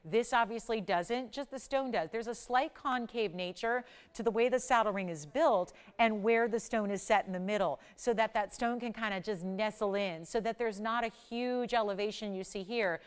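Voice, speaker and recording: Smooth-voiced woman pitching jewelry live. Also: normal speed, hardly any pauses. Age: 40s. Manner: enthusiastic, emphatic, repeats selling points. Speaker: jewelry shopping host. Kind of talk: live TV shopping sales pitch.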